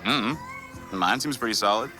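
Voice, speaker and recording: An actor playing an excitable, cocky young husband who goads his buddy in slangy bro talk, in an audio fiction podcast. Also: lowish voice, moderate pace, soft background music, some chatter behind, poor audio. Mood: goading, cocky.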